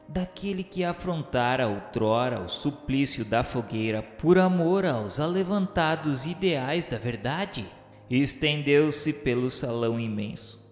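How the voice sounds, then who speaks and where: A man with a Brazilian accent giving a solemn, literary radio narration in a formal, declamatory, measured way. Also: medium pitch. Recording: echoey hall-like reverb under music. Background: music.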